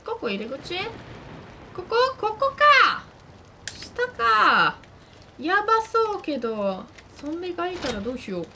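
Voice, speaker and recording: A young woman doing playful, excitable gameplay commentary, talking to herself and breaking into shrieks. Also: high-pitched, moderate pace. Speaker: gamer commentating a let's play. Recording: noisy game audio under voice.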